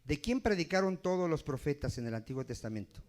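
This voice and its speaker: A man's voice: fairly high pitch, expressive, fast, a little mellow. A man preaching a sermon as pastor in a church, emphatic and asking the congregation questions.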